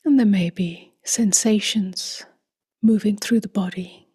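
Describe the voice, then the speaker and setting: Breathy, whispery woman guiding meditation. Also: medium pitch. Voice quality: soft, breathy, near-whispered. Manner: gentle, unhurried, long pauses. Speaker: meditation teacher. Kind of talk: guided meditation.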